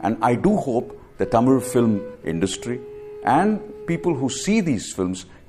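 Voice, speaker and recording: A man speaks with very wide pitch swings over music playing in the background. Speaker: theatre actor, voice-over artist. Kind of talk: unscripted campaign statement to camera. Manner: passionate.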